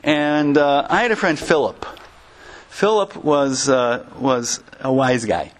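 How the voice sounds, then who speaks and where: An American man from Connecticut giving an informal religious lecture as a Jewish teacher, conversational and halting, with humorous asides. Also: medium pitch. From Connecticut, United States.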